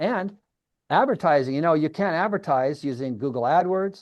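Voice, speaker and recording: A man speaks with an American accent. His pace is fairly quick and his pitch varies in an ordinary way. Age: 60s. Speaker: firearms company owner. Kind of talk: interview. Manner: halting.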